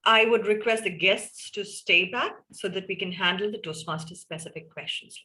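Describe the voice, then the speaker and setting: A woman's voice: medium pitch, moderate pace, bright, forceful tone. A woman with an Indian accent moderating an online meeting, encouraging participants to speak up. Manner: encouraging, prompts participants by name. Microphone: video call.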